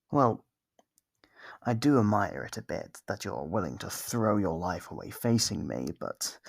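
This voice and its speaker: An actor voicing a smug, possessive, centuries-old vampire in an ASMR roleplay, slow and condescending, with a gravelly, husky voice and whispered phrases. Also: mid-range voice, dry recording, clean studio sound, full character voice. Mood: mocking. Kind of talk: ASMR roleplay monologue to the listener.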